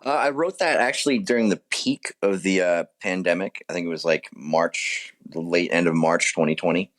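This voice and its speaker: Very low-voiced American man being interviewed. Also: moderate pace, a bit bright. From United States. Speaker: interviewed author. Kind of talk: casual interview chat.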